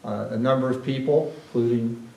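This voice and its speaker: An older man, a retired downtown development president, speaking on a panel in a library event room, halting with many restarts and repeated words. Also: medium pitch, steady tone, creaky, warm tone. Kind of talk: panel discussion answering questions. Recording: roomy, distant mic, faint hiss.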